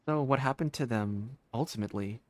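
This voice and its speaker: Rambling game streamer, mid-pitched voice. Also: fairly quick, no room sound. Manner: rambling, thinking aloud, expressive, swearing. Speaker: gaming streamer. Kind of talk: casual live game commentary.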